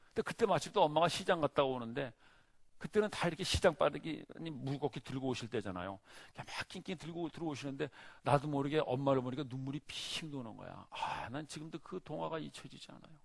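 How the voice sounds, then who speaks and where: A middle-aged male pastor preaching a sermon in a church, telling a story with lively acted-out scenes. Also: on the high side, vocal fry, no echo. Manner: animated storyteller, acts out the scenes.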